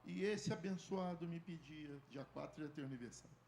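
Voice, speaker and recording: High-voiced preacher in an echoey church. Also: male voice, normal speed, gravelly, slight background noise. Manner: storytelling, acts out dialogue, swings from loud to hushed. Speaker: pastor. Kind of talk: sermon.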